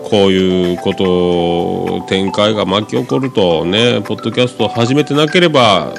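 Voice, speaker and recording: A man's voice: deep voice, moderate pace, vocal fry, music in the background. A man with a Fukuoka accent and a nasal, stuffed-up voice from a cold, hosting a podcast in casual, rambling talk. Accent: Fukuoka Japanese. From Fukuoka, Japan. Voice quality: nasal, congested voice. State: has a cold. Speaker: podcast host.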